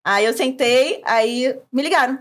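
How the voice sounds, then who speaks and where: A young woman from Brazil with a Rio de Janeiro accent, telling a story as a podcast guest in an animated way, laughing often and acting out quoted lines. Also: high voice, measured pace. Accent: Rio de Janeiro Portuguese. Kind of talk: casual storytelling.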